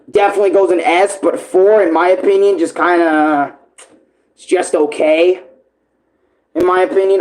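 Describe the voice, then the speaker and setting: A young man chatting casually on a livestream, rambling and swearing with enthusiasm, his voice hoarse and worn. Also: fairly high pitch, a little mellow, rough recording. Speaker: streamer ranking games. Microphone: tablet camera.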